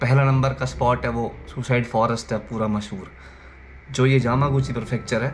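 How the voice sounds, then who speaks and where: This is a normal speaking voice with fairly even intonation. The pace is moderate. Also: man, medium pitch for a man. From Haryana, India. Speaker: YouTuber, Indian living in Japan. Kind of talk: casual storytelling to camera.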